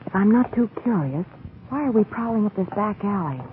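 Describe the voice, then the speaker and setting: A woman's voice: mid-range voice, lively intonation, a little fast, slight background noise, natural voice. An actress playing a pert, witty young woman, a sleuth's sidekick in an old-time radio drama, arch and inquisitive on a tinny old recording. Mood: dry, teasing.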